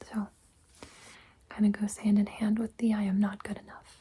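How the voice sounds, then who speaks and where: A soft-spoken woman talks in a fairly high voice. Her intonation is flat and monotone. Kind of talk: ASMR soft-spoken self-help talk.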